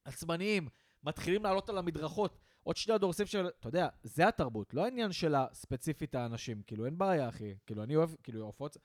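Animated young man ranting in casual chat. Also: on the high side, no room sound, clean studio sound. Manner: animated ranting, acts out quotes. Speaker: podcast co-host.

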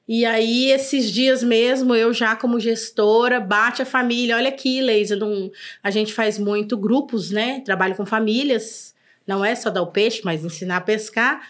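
A woman's voice: on the high side, a little slow. A middle-aged Brazilian woman, a social services official, telling earnest stories from her work in a casual podcast chat. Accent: Brazilian Portuguese. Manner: earnest, animated storyteller.

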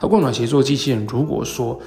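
A man with a Taiwanese Mandarin accent and a gravelly voice hosts a solo podcast talk, explaining things in a halting way with hesitant pauses. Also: medium pitch, mellow. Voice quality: gravelly, creaky. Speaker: podcast host. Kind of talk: solo talk explaining tech and market topics.

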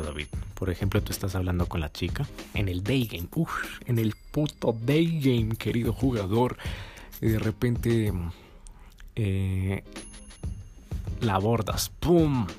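A man giving dating advice in a casual monologue, animated, acting out voices and swearing. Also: on the low side. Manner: animated, acts out voices, swears, sound effects like "pum". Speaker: dating coach podcaster.

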